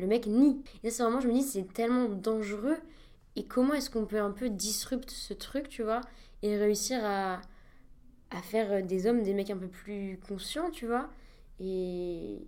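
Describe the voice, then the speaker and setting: The tone is dark and mellow, the pace fairly slow, the pitch variation ordinary, and the pauses long and frequent. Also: woman, fairly high pitch for a woman. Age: 20s. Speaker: podcast host. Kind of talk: casual conversation.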